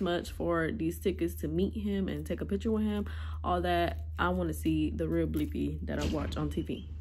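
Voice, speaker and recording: The speaker is a woman. She moves along at a moderate pace. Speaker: vlogger. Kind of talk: casual vlog chat. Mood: relaxed, chatty morning. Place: home room. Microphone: phone near.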